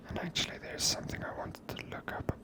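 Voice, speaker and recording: Whispering ASMR game player. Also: quick pace. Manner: hushed whispering. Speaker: game streamer.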